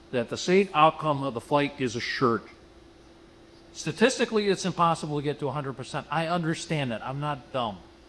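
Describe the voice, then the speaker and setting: Lively intonation and a fairly quick pace mark a normal speaking voice. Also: man, fairly high pitch for a man. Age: 60s. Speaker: flight instructor speaker. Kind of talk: conference talk.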